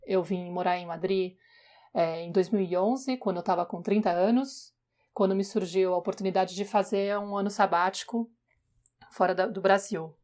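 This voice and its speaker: A woman's voice: medium pitch, fairly even intonation, moderate pace, a little mellow. Paulistana woman telling her story casually. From São Paulo, Brazil. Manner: conversational, with small restarts. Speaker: podcast co-host, journalist.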